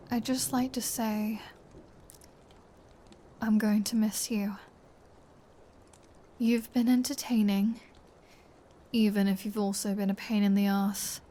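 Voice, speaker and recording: Female vampire, acted by a woman for ASMR roleplay: unhurried, teasing, menacing, sardonic, mid-pitched. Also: mellow, a little hiss or hum, natural voice. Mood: teasing menace. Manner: slow, teasing, sardonic, with sighs and whispered phrases. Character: taunting, flirtatious female vampire, menacing yet wistful. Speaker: audio roleplay performer.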